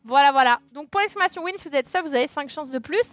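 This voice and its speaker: A woman's voice: sits high, animated, fast, fairly bright tone. A woman game streamer chatting casually with her viewers live and thinking aloud with fillers as she picks songs. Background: game music.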